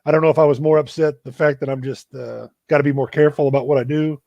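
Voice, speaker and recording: Gravelly-voiced man telling a running story. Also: fairly high pitch, quick pace, no echo, muffled recording. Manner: relaxed, self-deprecating storyteller. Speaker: running coach and show host. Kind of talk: casual storytelling in a live video chat.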